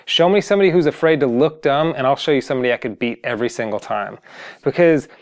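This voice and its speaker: Earnest man with a smooth voice. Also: medium pitch, fast talker. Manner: earnest, rambling, many restarts. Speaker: singing coach. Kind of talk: casual motivational talk to camera.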